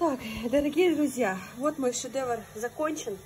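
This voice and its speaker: A woman is speaking. Her pace is very slow. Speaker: vlogger. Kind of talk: casual vlog narration. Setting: outdoors by the sea. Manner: animated.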